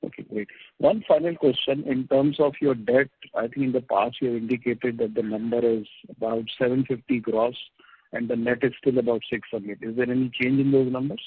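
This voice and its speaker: A man's voice: mid-range voice, fairly even intonation, a little fast, husky, no echo. A man asking questions as an analyst on an earnings call, speaking over the phone. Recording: very dry, tinny narrowband phone line.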